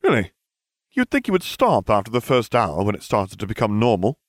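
Young wizard for audio storybook: man playing smug, incredulous, oblivious, pitched up, very animated, dry recording. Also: brisk, dry recording. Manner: incredulous, flippant, exclaiming. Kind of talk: storybook character acting.

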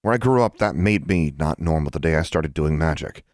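A man's voice: very deep voice, expressive, fairly quick, darkish tone, no echo, studio quality. A man voicing a bold, independent young witch girl in a matter-of-fact way for a storybook. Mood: resolute.

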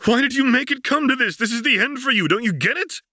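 Man voicing Vi, desperate tough fighter woman, forceful. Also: extremely high pitch, lively intonation, fast, dry recording, clean studio sound, pitched above the performer's own voice, full character voice. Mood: anguished. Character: tough young woman fighter, desperate, protective older sister. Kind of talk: audiobook character voice.

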